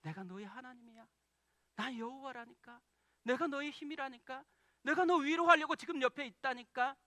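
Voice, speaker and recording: A man's voice: very high voice, normal speed, bright, forceful tone, dry recording, studio quality, pitched above the performer's own voice. A man preaching, voicing God as a tender, reassuring divine presence who insists he is near. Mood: whispering comfort.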